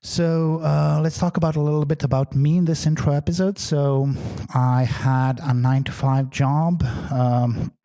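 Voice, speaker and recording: A man's voice: fairly high pitch, steady tone, a little slow, dark tone. A man from Serbia with a Serbian accent, hosting his own podcast in a chatty, loose manner, full of fillers and restarts. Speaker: podcast host. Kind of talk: casual solo podcast talk.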